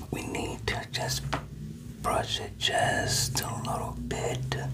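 Amid loud background noise, a man speaks at a very slow pace. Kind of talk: casual role-play talk to camera. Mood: warm, encouraging. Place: home room.

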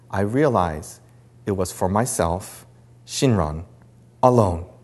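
Quiet background behind a man with an American accent. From US and Japan (California, 14 years in Tokyo). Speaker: professor of religion. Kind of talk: lecture. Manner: hesitant, many fillers.

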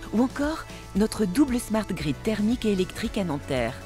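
Over clear music in the background, a woman speaks at a moderate pace with very wide pitch swings. The sound is dry with no echo. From France. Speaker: voice actor. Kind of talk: corporate narration. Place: booth. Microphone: studio mic.

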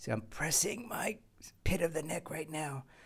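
The voice is a raspy, put-on character voice at a middle pitch, delivered at a moderate pace. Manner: demonstrating a vocal technique.

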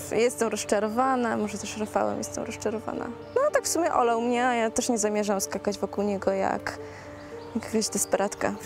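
A woman speaks at a fairly quick pace in a dry sound with no echo, with clear music in the background. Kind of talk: interview answer. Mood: disappointed, slightly dismissive. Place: garden. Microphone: lapel.

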